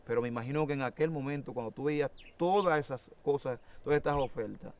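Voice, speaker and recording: A man's voice: mid-range voice, quick pace. Preaching male interviewer. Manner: exhorting, with rhetorical questions. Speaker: host and interviewer. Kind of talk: preaching-style interview talk.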